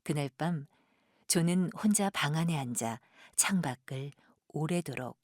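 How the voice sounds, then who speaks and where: A woman narrates a scripted audio drama. Her voice is very low for a woman and breathy, husky, recorded dry and close. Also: lively intonation, a little slow, darkish tone, no echo.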